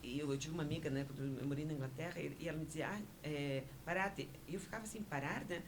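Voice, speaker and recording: Woman with native Spanish, noisy recording. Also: sits low. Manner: explanatory, measured. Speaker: interview guest, honorary consul. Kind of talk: radio interview conversation.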